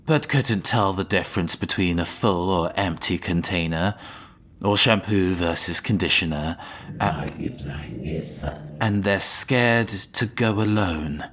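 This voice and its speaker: Man playing low, slow, formal crewmate. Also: a bit bright. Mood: measured, courteous. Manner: formal, stately. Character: formal, courteous, measured household companion in cyberpunk crew. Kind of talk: cyberpunk audio drama acting.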